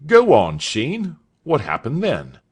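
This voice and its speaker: A man reading aloud voices a kindly, eager schoolmaster keen on boxing, with an animated, exclaiming delivery. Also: on the high side, slow, husky, voice pushed up, heavily acted.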